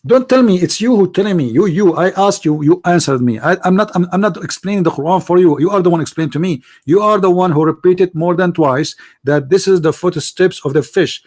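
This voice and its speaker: Male debate host, high voice, Arabic accent and native Arabic speaker. Insistent, combative, repeats himself to press the point. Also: brisk, few pauses, a little mellow. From Middle East. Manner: confrontational, insistent, repeats phrases and questions. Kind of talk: heated religious debate.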